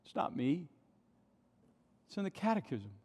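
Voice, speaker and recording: Standing at the pulpit mic of a big, mostly empty church, this pastor delivers a fervent sermon full of rhetorical questions. His voice is a little high, sing-song and unhurried, slightly mellow with a breathy edge. Long church reverb trails his words.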